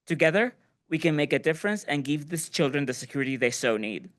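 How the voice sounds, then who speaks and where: Guy interpreter reading out a translated speech, voice a bit high. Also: animated, fast talker, fairly bright tone.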